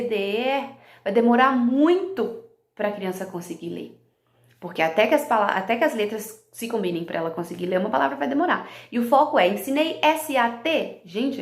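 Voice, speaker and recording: Woman teacher, gravelly voice, roomy sound, explains step by step for fellow teachers. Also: mid-range voice. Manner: explanatory, checks in with "ok?" and "tá?", slips into English words. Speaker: English teacher.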